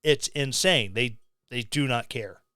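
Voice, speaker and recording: Slow, sarcastic middle-aged man ranting. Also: mid-range voice, bright, forceful tone, no echo, clean studio sound. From Missouri, USA. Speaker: podcast host. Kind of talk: opinion commentary. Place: small home room. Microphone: studio mic on stand, close.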